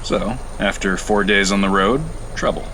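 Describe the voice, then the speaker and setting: A man's voice: fairly low pitch, fairly even intonation, moderate pace, background noise, close to an everyday voice. An actor playing a questioning, doubtful man on a road-trip investigation in a naturalistic audio drama.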